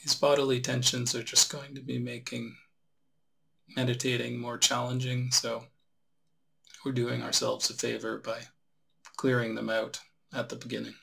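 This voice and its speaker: Male meditation instructor, crisp bright tone with plenty of vocal fry, unhurried step-by-step guidance. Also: mid-range voice, little pitch movement, poor audio. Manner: unhurried instruction with long pauses. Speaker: meditation teacher. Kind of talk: guided relaxation meditation instruction.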